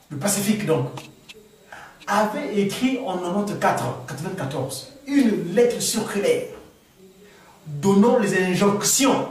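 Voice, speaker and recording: A man from the Republic of the Congo answering questions before an audience, animated, often repeating and restarting his words. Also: high voice. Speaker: speaker answering questions at a gathering. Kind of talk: spontaneous talk to an audience. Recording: echoey room, far from the mic.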